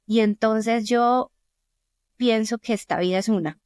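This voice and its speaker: A woman's voice: a little high, fairly even intonation, a little slow, darkish tone, clear, resonant tone, no echo, clean studio sound. A middle-aged woman from Colombia with a Colombian accent, a podcast guest telling earnest personal stories in conversation. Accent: Colombian Spanish. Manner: earnest, anecdotal storytelling. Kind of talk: conversational interview.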